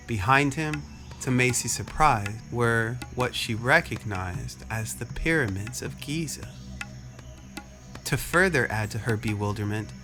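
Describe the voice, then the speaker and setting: A man reads scripted story narration in a mid-pitched voice, with music playing behind him. He sounds like the narrator of an audio drama.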